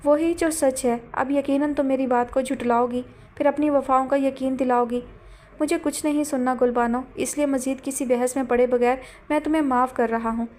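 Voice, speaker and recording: A woman's voice: high-pitched, a little mellow, close to an everyday voice. Woman doing a weary, dismissive young man. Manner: irritated, dismissive. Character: weary proud young man, landowner's son.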